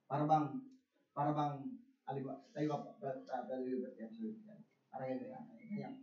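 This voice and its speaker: A Filipino man preaching a bilingual sermon as pastor, shifting from soft, low asides to loud, emphatic lines, often stammering and repeating words. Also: steady tone, moderate pace. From Philippines. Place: church conference hall. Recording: roomy, dull church recording.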